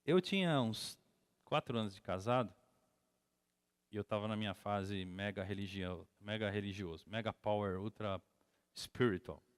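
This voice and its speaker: Brazilian pastor preaching in an echoing hall. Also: male voice, fairly low pitch, normal speed, clear, resonant tone. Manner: storytelling, acts out quotes, grows loud and emphatic. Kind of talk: sermon with personal story. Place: church hall. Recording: long church hall reverb.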